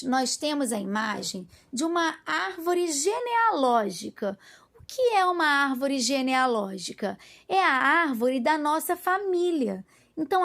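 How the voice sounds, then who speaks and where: Slow, high-voiced patient woman teacher. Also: gravelly. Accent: Carioca Portuguese. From Brazil. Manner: slow, patient, sing-song teacher talk with diminutives. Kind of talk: recorded lesson for young pupils.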